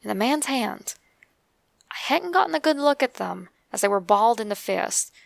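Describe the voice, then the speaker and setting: Very creaky-voiced Appalachian woman telling scary stories. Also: on the high side, lively intonation, moderate pace, dry recording. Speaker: narrator of true scary stories. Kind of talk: first-person scary story narration.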